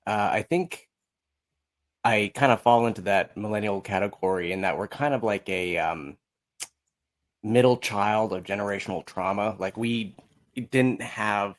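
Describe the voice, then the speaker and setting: A man's voice: lowish voice, a little slow. A man in his thirties with an American accent, chatting informally and reflectively as an interview guest. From Las Vegas, United States. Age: 30s. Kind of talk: casual chat.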